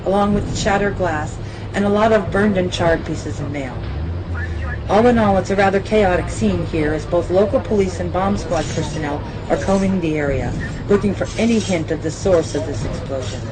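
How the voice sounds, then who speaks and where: A woman's voice: lowish voice, lightly acted, rough recording. A woman playing a determined TV news reporter. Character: determined young female TV reporter, suspicious. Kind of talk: amateur radio drama acting.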